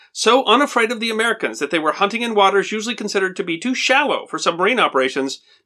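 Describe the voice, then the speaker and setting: A raised, projected voice with a bright, sharp tone moves at a very fast pace with lively intonation. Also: man. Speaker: history narrator. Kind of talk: history documentary narration. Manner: measured, steady storytelling delivery.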